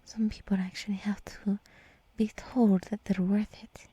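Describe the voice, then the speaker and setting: A woman voicing a gentle, soothing deer woman who guides meditation in a whispered ASMR roleplay, speaking softly and reassuringly close to the microphone. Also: medium pitch, little pitch movement, no echo, highs cut off. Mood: earnest, tender. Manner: slow, soft, breathy, reassuring. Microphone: close microphone, dry.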